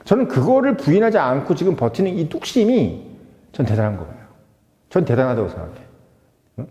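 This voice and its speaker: A man talks through political commentary in a casual monologue, driving his points home with rhetorical questions and shifting between polite and blunt speech. His pitch swings widely, and his tone is mellow. The recording sounds dull and roomy, with a long reverb tail. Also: very animated, brisk.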